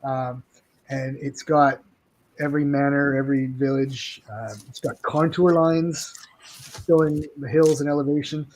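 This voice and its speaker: A man talking as an interview guest about his game products, halting and restarting often. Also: medium pitch, steady tone, darkish tone, poor audio. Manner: halting, restarts with many ums and uhs. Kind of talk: casual interview chat.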